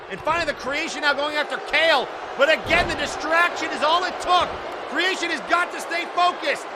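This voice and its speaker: A man calls live wrestling in a very high, strained shout, excitedly exclaiming at the action and the referee. A loud crowd and noise surround his voice. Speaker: wrestling play-by-play commentator. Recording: noisy event audio with loud crowd. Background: crowd noise and slamming thuds.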